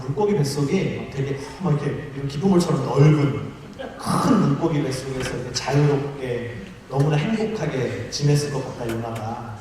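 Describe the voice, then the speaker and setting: A male pastor preaching a sermon to a college group, telling stories in a lively, humorous way. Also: high voice. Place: large church auditorium. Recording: echoey hall, mic far off.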